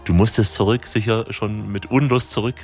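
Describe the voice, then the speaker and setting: A man's voice: on the low side, fairly even intonation, normal speed, faint music behind. A man from Saxony working as a TV reporter, narrating and asking chatty, leading questions in an interview. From Saxony, Germany.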